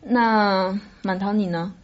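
A woman's voice: medium pitch, fairly even intonation, takes it slowly, lo-fi sound. A woman co-hosting a podcast, speaking in casual conversation. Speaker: podcast co-host. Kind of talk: casual chat.

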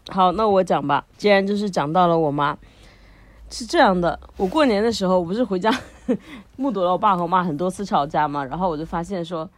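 A woman co-hosting a podcast, telling a long personal story in a lively way, laughing often and using lots of fillers. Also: fairly low pitch, brisk. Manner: animated, frequent laughter, many fillers. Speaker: podcast co-host. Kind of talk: casual storytelling chat.

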